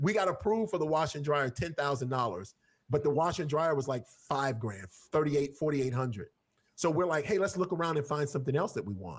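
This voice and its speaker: Talking at a very fast pace, a man with a fairly high pitch sounds somewhat breathy and uses lively intonation. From Florida. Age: 50s. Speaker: former credit card fraudster. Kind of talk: interview storytelling. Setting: livestream.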